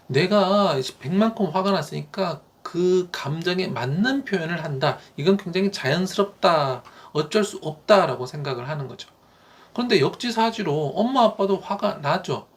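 A man who teaches elementary school gives parents calm, explanatory advice, with frequent "uh" fillers. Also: a little high.

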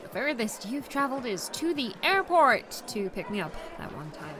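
A woman in her twenties playing a lively, teasing young influencer friend in an audio drama, with music under her voice. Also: a little high, moderate pace, noisy background. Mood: chatty.

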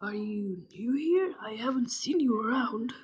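Woman acting a shy, slow-spoken young guy. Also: on the high side, lively intonation, slightly rough, muffled recording, exaggerated voice. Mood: shy, polite. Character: shy, awkward, nervous young male character. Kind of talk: amateur character voice audition. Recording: faint background noise with clicks.

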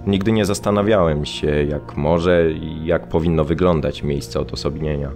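Very deep-voiced former prisoner. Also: male voice, steady tone, moderate pace, vocal fry, a little mellow, soft background music. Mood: grave, reflective. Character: sombre male Polish former political prisoner recalling prison. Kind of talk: scripted dramatic monologue, radio documentary drama.

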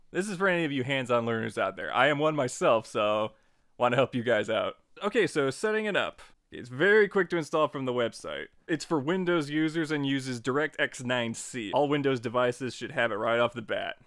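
A man narrating a casual software tutorial as its host, in an informal, jokey and playfully emphatic way. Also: mid-range voice, dry recording, clean studio sound. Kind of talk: casual tutorial narration over screen recording.

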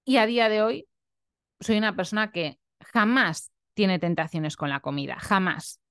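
A woman's voice: medium pitch, animated, normal speed, smooth, no echo, studio quality. A young woman nutritionist talking earnestly and openly in a personal vlog, often adding tag questions. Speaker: nutritionist and vlogger. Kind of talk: reflective personal vlog talk.

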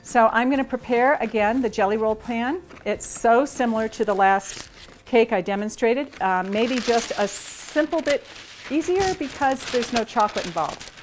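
A woman in her sixties with a slightly high voice speaks at normal speed as she hosts a cooking demonstration. Working with her hands in a large home kitchen, she keeps up a relaxed, chatty flow.

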